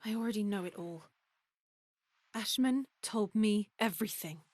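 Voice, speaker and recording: A young woman voicing a defensive, bitter young woman in a video game, with a sharp, guarded delivery. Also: mid-range voice, moderate pace, no echo, clean studio sound, natural voice. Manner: sharp, guarded, flares into shouting. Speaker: game character.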